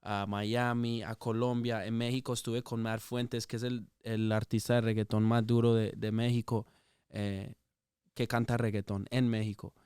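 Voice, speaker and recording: A man's voice: on the low side, level tone, moderate pace, darkish tone, smooth, no room sound, studio quality. A man from Toronto chatting casually as an interview guest, switching between Spanish and English. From Toronto, Canada. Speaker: guest music artist. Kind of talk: casual bilingual interview chat.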